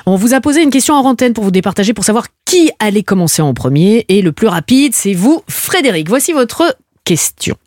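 A woman's voice: mid-range voice, very animated, brisk, a little mellow, no room sound, studio quality. A woman hosting a radio quiz game, playful and teasing, laughing often between questions. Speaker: radio game show host.

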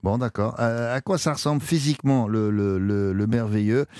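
A man's voice: mid-range voice, fairly even intonation, a little mellow, no echo, studio quality. Joking male radio host. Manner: jokey, chatty, quick asides. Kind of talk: casual radio chat. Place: radio studio.

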